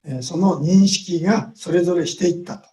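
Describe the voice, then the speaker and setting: Guy lecturing on a video call, slightly high but mellow voice, slow careful phrases, lots of long uh pauses. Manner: measured, pausing with long drawn-out fillers. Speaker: guest speaker. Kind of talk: lecture with consecutive interpretation.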